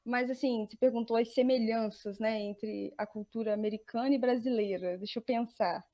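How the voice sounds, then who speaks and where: A woman's voice: on the high side, steady tone, normal speed, mellow. A young woman with a Brazilian Portuguese accent, a podcast guest chatting casually, laughing often and restarting her sentences. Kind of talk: casual interview chat.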